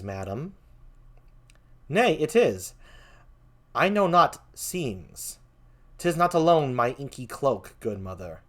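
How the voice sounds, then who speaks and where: A man voicing a brooding, grieving young prince in a subdued theatrical reading of Shakespeare. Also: mid-range voice.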